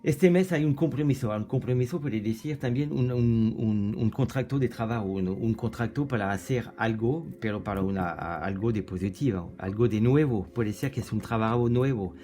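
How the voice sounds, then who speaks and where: A man with a French accent doing a casual tarot card reading, halting and searching for words, with many restarts and French filler words slipped in. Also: medium pitch, dark tone, faint music behind. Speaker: tarot reader.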